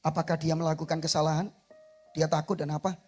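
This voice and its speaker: Husky high-voiced East Javanese pastor preaching. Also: male voice, quick pace, faint music behind. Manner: animated preaching that swings from soft asides to shouted peaks, calling for amens. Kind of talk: sermon. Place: church sanctuary.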